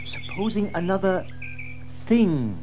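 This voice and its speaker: A kind-hearted little mole in a children's radio play. The voice is high and slow, rising and falling in fretful, earnest pleas. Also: male voice, very animated, over music, full character voice. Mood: worried, pleading. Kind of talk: full-cast children's audio drama acting.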